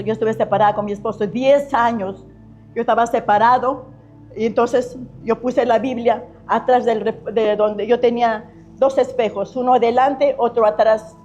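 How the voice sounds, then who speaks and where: High-voiced woman giving testimony. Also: darkish tone. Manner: earnest, repetitive storytelling with many restarts. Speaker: testimony giver. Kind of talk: personal faith testimony. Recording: slightly muffled recording with faint music.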